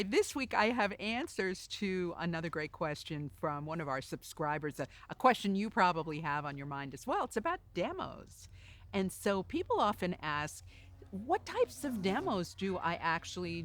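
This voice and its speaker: A woman's voice: medium pitch, very animated, moderate pace, fairly bright tone. A woman hosting a coaching video blog outdoors, chatty and addressing the viewer directly with questions. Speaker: host, voice-over coach. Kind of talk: video blog, talking to camera. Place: outdoors in a park.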